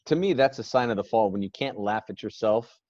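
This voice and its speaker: Casual male podcast host, lowish voice, rambling and quick to laugh; dull, dry lo-fi sound. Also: a little mellow, dry recording. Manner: rambling storyteller, laughs often, many restarts. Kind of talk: casual chat.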